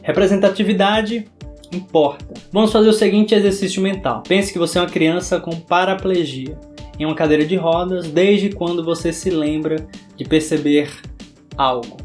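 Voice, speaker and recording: A man's voice: sits high, normal speed, darkish tone, soft background music. A young man from the interior of Bahia with a sertanejo accent, narrating a scripted book video essay with dramatic, theatrical delivery. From interior of Bahia, Brazil. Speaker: book vlogger.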